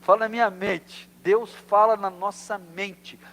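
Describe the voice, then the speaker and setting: A man from Brazil preaching a sermon as pastor, animated and storytelling, acting out quoted voices. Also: high voice, unhurried, long reverb tail. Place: church.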